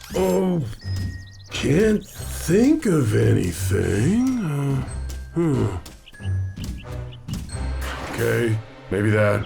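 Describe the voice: A man's cartoonish character voice, very slow, with long, frequent pauses, big pitch swings, vocal fry and faint background music. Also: medium pitch for a man, dark, mellow tone.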